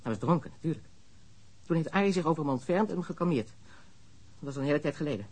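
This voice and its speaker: A man's voice: fairly high pitch, expressive, quick pace, a little mellow, breathy edge. A man playing a blunt, shameless smuggler under questioning. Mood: brazen. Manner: frank, matter-of-fact, shameless. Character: smuggler confessing under police interrogation, boastful and blunt. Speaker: suspect. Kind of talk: radio drama acting.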